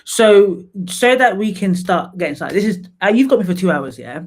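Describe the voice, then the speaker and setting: A woman, hosting a live stream in a casual, chatty way, full of fillers and restarts and quick to laugh. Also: medium pitch, lively intonation. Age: 30s. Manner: chatty, laughs easily, lots of fillers and repeats. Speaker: livestream host and psychotherapist. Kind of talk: casual livestream chat.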